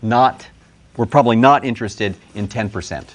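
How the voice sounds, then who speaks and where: A man speaks at a medium pitch and a fairly quick pace. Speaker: university professor. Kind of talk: lecture. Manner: fast; halting, many fillers and restarts.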